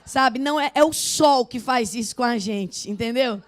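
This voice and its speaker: In a sermon delivered at normal speed, an older woman pastor with a Northeastern Brazilian Portuguese accent, from Northeast Brazil, tells lively stories, imitating the voices of the people involved. Her laugh is loud and booming.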